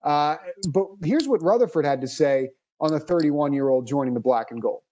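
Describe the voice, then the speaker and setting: Male podcast host, measured analytical read, higher pitch, warm mellow timbre. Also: expressive, muffled recording, a little hiss or hum. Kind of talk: scripted sports podcast narration.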